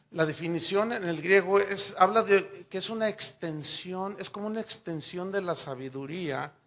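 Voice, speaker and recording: An older Mexican pastor preaching with animated storytelling, his voice high-pitched and bright with a gravelly edge. He acts out every exchange in his stories, jumping up into raised, excited tones. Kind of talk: sermon with personal anecdotes.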